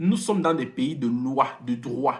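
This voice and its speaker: The man's pitch is fairly high. His intonation is lively. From Cameroon. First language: a Cameroonian language (speaking French). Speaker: YouTuber, commentator. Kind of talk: rant, direct address to a rival. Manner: confrontational, animated.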